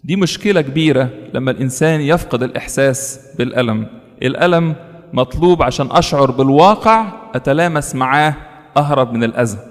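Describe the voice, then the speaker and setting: A man's voice: mid-range voice, quick pace, in a large hall. A man with an Egyptian Arabic accent preaching a sermon. He tells stories and asks his listeners rhetorical questions.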